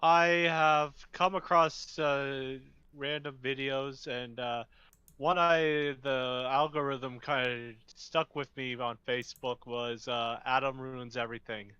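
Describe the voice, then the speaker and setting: A man's voice: medium pitch, fairly even intonation, takes it slowly, pushed and bright, clear, resonant tone, no room sound. A man co-hosting a casual online show, speaking hesitantly with fillers. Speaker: podcast co-host. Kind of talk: casual chat. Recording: dull lo-fi mic, dry.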